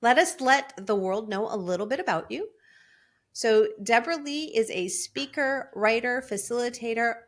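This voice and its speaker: Upbeat woman podcast co-host. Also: medium pitch. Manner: upbeat, reads introductions. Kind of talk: podcast intro and host talk.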